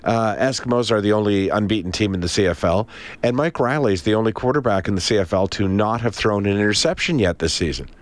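A man's voice: on the low side, fast, dry recording. A man co-hosting a radio show, talking sports in a wry, chatty way while he has a cold. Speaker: radio co-host. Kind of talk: casual sports chat.

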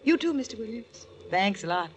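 A woman's voice: mid-range voice, very animated, normal speed, a little hiss or hum, natural voice. An American actress playing a shrewd, self-assured female investigator in a 1940s radio drama. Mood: cool, amused.

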